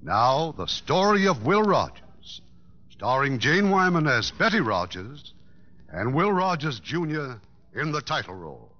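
A man hosting a radio theater in a formal, grand and measured scripted style from the 1950s. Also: on the high side, very animated. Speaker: radio theater host and announcer. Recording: dull old radio broadcast recording.

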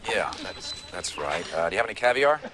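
An actor playing a breezy, smooth-talking man bluffing as a guest, offhand and deadpan, in a film clip. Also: low voice, brisk. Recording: noisy old film clip.

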